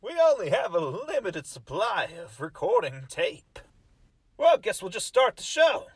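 A man's voice: sits high, big pitch swings, measured pace, a little hiss or hum. A man hosting a horror story show in a playful, spooky, theatrical style that drops toward whispers. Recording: faint music behind.

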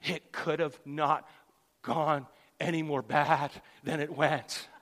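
A man preaching a sermon with animated stories in an excitable, dramatic manner, repeating phrases for emphasis. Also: on the high side, slow pace. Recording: echoey hall with long reverb.

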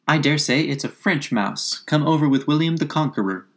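A woman's voice: low voice, animated, normal speed, voice pushed up. A woman voicing a polite, chatty, curious young girl from a storybook, with an eager, earnest, apologetic manner. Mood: wondering.

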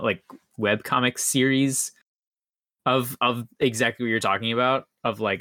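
A man's voice: on the low side, pushed and bright, no room sound, clean studio sound. A man co-hosting a podcast in casual chat, rambling as he thinks aloud. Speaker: podcast co-host.

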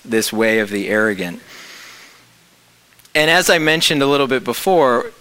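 A man's voice: medium pitch, sharp tone, no echo, low-quality recording. A man preaching a reflective sermon, explaining scripture with rhetorical questions.

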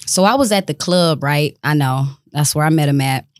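A woman's voice: deep voice, normal speed, no echo, studio quality. A woman with an African American accent chatting casually as a podcast co-host, speaking in a blunt, slangy way. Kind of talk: casual chat.

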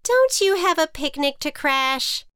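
A woman's voice: high voice, sing-song, measured pace, pushed and bright, dry recording, studio quality, voice pushed up, exaggerated voice. A woman voicing a timid, stubborn female butterfly in a children's storybook, with an anxious, protesting and exclamatory manner. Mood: defensive.

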